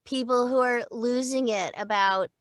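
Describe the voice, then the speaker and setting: Lively, chatty middle-aged woman. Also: fairly high pitch, unhurried, no room sound, clean studio sound. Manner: lively, chatty, laughs easily. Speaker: voice actor and acting coach. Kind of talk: casual interview chat.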